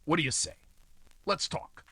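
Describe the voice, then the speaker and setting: A man's voice: moderate pace, sharp tone, dry recording, close to an everyday voice. An actor playing a nosy, slimy apartment house manager who wheedles in tough-guy slang, in old-time radio noir style. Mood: scheming.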